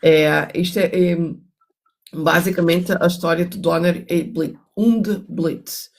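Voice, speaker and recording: A woman's voice: fairly low pitch, steady tone, takes it slowly, vocal fry. An older woman, hosting a reflective book discussion, musing and moralizing as she goes. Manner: musing, restarts often, moralizing asides. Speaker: host reading and analyzing a book.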